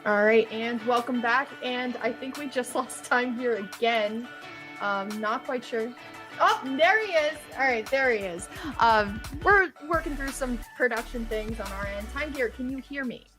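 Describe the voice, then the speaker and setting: Young female esports host, slightly high voice, upbeat with lots of ums, faint music behind. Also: unhurried, a bit bright. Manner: upbeat, filler-heavy hosting. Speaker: esports caster and interviewer. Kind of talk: live stream commentary.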